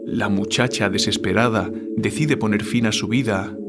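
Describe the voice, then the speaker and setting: A man playing a troubled writer haunted by nightmares, confiding in a measured, literary way, as in an audio drama. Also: on the low side, steady tone, loud music behind the voice, lightly acted. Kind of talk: audio drama monologue, narrating a dream.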